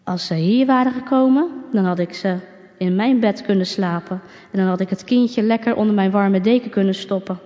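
A woman's voice: mid-range voice, moderate pace, mellow, lightly acted. A woman voicing a sighing old shoemaker. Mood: wistful. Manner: sighing, musing to himself. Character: sighing old male shoemaker, gentle and lonely. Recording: dull recording with long reverb.

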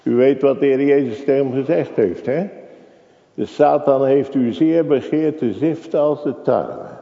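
A man's voice: mid-range voice, measured pace, gravelly. An older man preaching a sermon in a church, dramatic and full of rhetorical questions to the congregation. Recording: echoey, dull church recording.

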